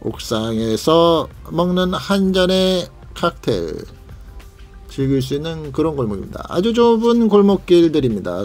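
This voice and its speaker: A man hosting a travel vlog, narrating a leisurely tour in a guide-like way and pointing out sights. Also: a little high. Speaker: vlog host.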